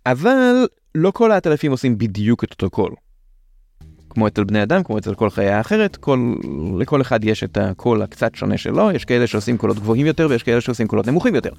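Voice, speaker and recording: A man's voice: mid-range voice, big pitch swings, gravelly, a little mellow, no echo. A man with an Israeli accent explaining things in a conversational way as a show's host, with playful questions and asides. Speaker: host of a science explainer show.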